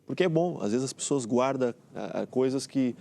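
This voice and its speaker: A man with a Brazilian Portuguese accent, a pastor, co-hosts a religious TV show. His voice has a mellow, dark tone. He talks in a chatty way and keeps checking in with a quick question at the end of his sentences. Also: mid-range voice, vocal fry. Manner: chatty, often ends with "né?". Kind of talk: casual co-host chat.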